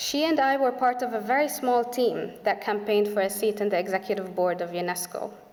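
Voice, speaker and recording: With an Arabic accent, a woman talks at a fairly quick pace in a medium pitch with ordinary pitch variation over noticeable background noise. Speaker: alumni speaker, government official. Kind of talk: formal speech. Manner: formal.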